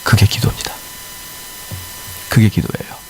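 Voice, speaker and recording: A man's voice: moderate pace, slight background noise. Male pastor, sermon, emphatic rhetorical questions, lingering hall echo. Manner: emphatic preaching with rhetorical questions and acted-out quotes. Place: church sanctuary.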